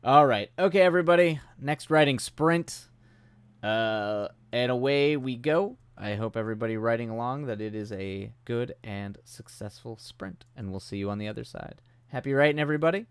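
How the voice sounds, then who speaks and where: A man's voice: medium pitch, moderate pace, clear, resonant tone, dry recording. A man hosting a live writing stream, chatting casually and rambling with a self-deprecating humor, while he's coming down with a cold and his voice is starting to go. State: getting sick, voice starting to go.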